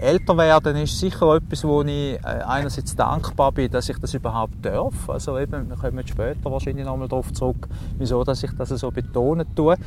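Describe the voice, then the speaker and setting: Hardly pausing, a man keeps a moderate pace. Noticeable background noise and audible room echo fill the recording. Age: 50s. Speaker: trade association manager. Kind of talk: casual interview. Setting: outdoors on a bench.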